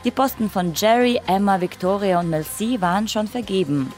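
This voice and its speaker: A woman in her late twenties, from Russia, reading her own first-person essay as calm, measured, wry radio narration. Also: mid-range voice, faint music behind. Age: late 20s.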